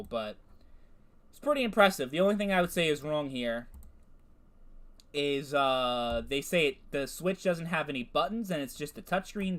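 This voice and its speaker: A man's voice: fairly high pitch, a bit bright. A man hosting a casual gaming video, reacting with laughter and swearing. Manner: casual, profane, laughing, self-deprecating. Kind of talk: casual commentary reading chatbot outputs.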